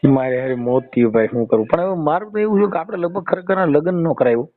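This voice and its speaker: Man, Saurashtra Gujarati accent, rapid casual questioner with a teasing streak, heard over a narrow phone line. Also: a little high, lively intonation. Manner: teasing, colloquial, repeats and rephrases answers. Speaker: host mediating a family dispute by phone. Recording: tinny, narrow phone-call audio.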